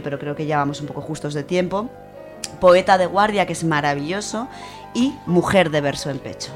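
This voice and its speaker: A woman with an accent from Spain, chatting casually and reading verse as a radio contributor. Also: deep voice.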